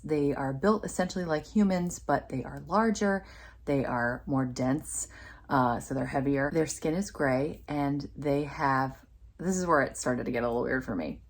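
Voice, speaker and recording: A woman with a low-pitched voice talks casually, as a book vlogger would in a review. Her delivery is enthusiastic and gushing, with plenty of emphasis on key words. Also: darkish tone.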